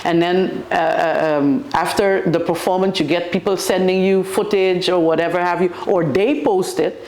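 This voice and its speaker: A woman's voice: lowish voice, steady tone, normal speed, a little mellow. A woman with an Aruban accent, a carnival band leader talking casually in an interview. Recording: roomy, echoing interview sound.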